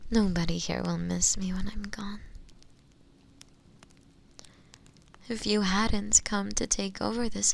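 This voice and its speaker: Woman acting a slow, whispery imprisoned witch. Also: mid-range voice, fairly bright tone, exaggerated voice. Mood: hushed, imploring. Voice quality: breathy, whispery. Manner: slow, deliberate, pleading. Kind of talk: dramatic roleplay audio acting.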